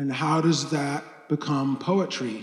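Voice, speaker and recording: Using a normal speaking voice, a man talks at a fairly high pitch with fairly even intonation. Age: 50s. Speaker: artist working with robotics. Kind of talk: onstage conversation. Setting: stage with live audience.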